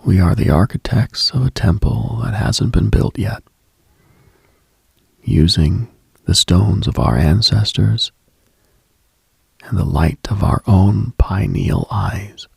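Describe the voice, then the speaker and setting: This intimate late-night radio monologue comes from a host musing on the spiritual, his very low voice creaky with heavy fry and extremely husky and breathy. He takes it slowly and pauses often in a dry recording.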